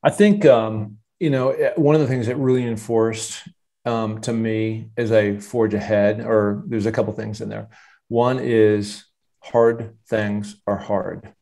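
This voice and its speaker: A man in his fifties, a guest on a video-call interview, telling a long story in an animated, rambling way with many restarts. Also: lowish voice, unhurried, gravelly. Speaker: interview guest, former football player. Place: home office with wood cabinet. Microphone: earbud headset on video call.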